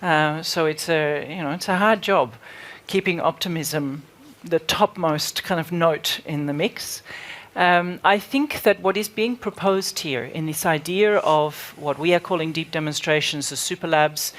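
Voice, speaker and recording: A woman and mother of two speaking reflectively on a panel, building long, searching lists of ideas. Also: on the low side. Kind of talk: panel discussion.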